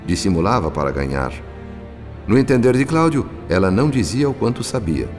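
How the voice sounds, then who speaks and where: A man's voice: lowish voice, big pitch swings, a little fast. A man with a Brazilian accent narrating a radio drama in a solemn, formal, literary manner. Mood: solemn, ironic. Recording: long reverb, soft music behind.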